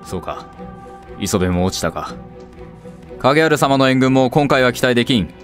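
A man's voice: medium pitch, expressive, moderate pace, faint music behind, lightly acted. An actor playing a stern, authoritative samurai castle lord and father in a historical voice drama. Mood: grave, resigned. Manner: archaic, authoritative samurai speech. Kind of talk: Japanese historical voice drama acting.

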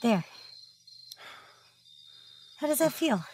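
A woman's voice: high voice, big pitch swings, very slow, a little mellow, a little hiss or hum, exaggerated voice. A woman playing a teasing, bossy but caring young woman in a naturalistic audio drama, coaxing playfully.

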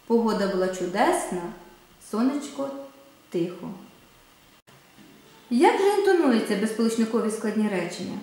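A woman teacher giving a recorded grammar lesson, reading the rules steadily and speaking the examples with expressive intonation. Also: on the high side. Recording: very echoey room.

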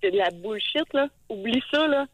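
A Québécois woman in her thirties calling in to a radio show, talking hesitantly with many filler pauses over a phone line. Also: a little high, expressive, no echo. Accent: Québécois French. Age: 30s. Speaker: radio caller. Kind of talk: call-in talk. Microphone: telephone.

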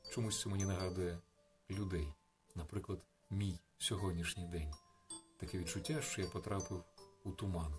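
A man reading a bedtime story on the radio in a calm, soft, reflective manner. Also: low voice. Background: faint music.

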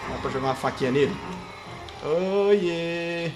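A man with a Brazilian Portuguese accent commenting on his gameplay, playful and trash-talking, bursting into excited shouts. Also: a little high, normal speed, over music. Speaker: gameplay youtuber.

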